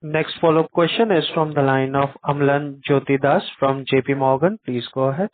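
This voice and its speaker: A man's voice: medium pitch, steady tone, brisk. A man making formal, scripted announcements as a conference call operator. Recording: tinny telephone conference line.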